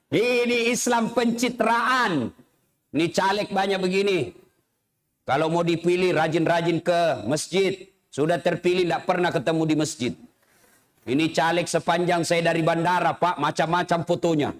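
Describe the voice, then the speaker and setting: High-voiced preacher, jokey storyteller. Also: male voice. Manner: jokey storytelling, acts out characters with big pitch swings. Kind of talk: humorous sermon.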